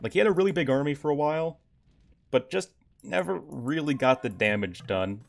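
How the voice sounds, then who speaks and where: A man's voice: a little high, a little fast, creaky, a little hiss or hum. A young man casually commentating a strategy game on his live stream, chatting with his viewers. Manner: casual, chatty, reacts to chat. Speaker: game caster.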